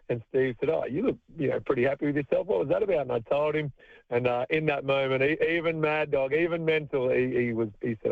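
An Australian man in his thirties, a retired basketball player, tells long stories down a tinny phone line. His voice sits at an ordinary middle pitch and he often laughs as he talks. The sound is dry and narrow. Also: vocal fry, dry recording. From country New South Wales, Australia. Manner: chatty storyteller, laughs often. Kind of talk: radio phone interview.

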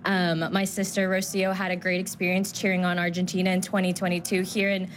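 A woman's voice: fairly low pitch, completely flat delivery, fairly quick, a little hiss or hum. A woman football fan answering interview questions in an effusive way in a sports bar. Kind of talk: on-location interview.

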